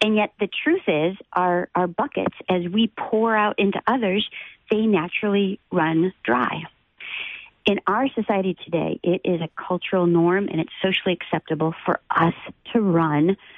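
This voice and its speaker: This woman has an unremarkable speaking voice at medium pitch, in an American accent. Her pitch varies in an ordinary way and her loudness stays very even. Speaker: founder of a rest and wellness organization. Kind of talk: radio interview.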